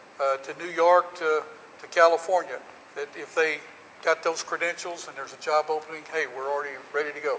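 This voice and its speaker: Talking at a fairly quick pace, a man swings widely in loudness while noticeable background noise goes on. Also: fairly high pitch for a man. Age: 60s. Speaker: community college center director. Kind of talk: facility tour interview. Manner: enthusiastic; hesitant fillers.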